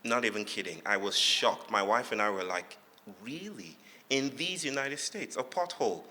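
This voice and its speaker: A man from Nigeria with a Nigerian accent gives a public talk, reflective and playful, telling stories in measured phrases with dramatic pauses. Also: medium pitch, lively intonation, bright, forceful tone, a little hiss or hum. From Lagos, Nigeria. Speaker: guest speaker giving a lecture. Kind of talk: public talk, storytelling with humour. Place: large hall before an audience. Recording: echoey hall with long reverb.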